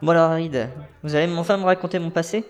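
A man's voice: a little high, steady tone, fast talker, soft background music, natural voice. A man voicing a sarcastic young orphan hero who grumbles and wisecracks, in a fan cartoon dub. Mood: cheeky. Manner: sarcastic, cheeky.

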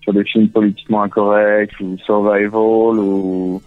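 A man from France, speaking with a French accent, is a guest on a casual phone interview and talks hesitantly while hunting for words. His voice is lowish and flat, his pace unhurried, and the dry recording comes through a dull, band-limited phone line with faint music behind it.

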